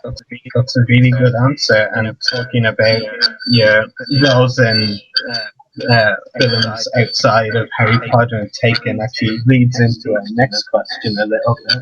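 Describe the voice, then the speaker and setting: A man hosting a podcast and asking interview questions in an even, flat delivery. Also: medium pitch, normal speed, muffled recording.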